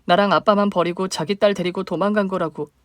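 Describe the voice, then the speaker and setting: A woman's voice: medium pitch, steady tone, fast talker, no echo, clean studio sound, lightly acted. A woman voicing a hurt young single mother, the younger sister, speaking plaintively in a dramatized story. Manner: plaintive, emotional questioning.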